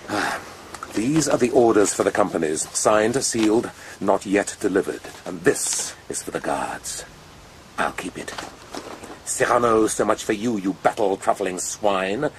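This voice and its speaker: An actor playing a pompous, amorous colonel in a radio drama, wooing ardently with breathy murmurs. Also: male voice, on the low side, lively intonation, a little slow, a little hiss or hum. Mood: gloating. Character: smug, amorous colonel and nobleman, ardent would-be seducer. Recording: radio play with clear background ambience.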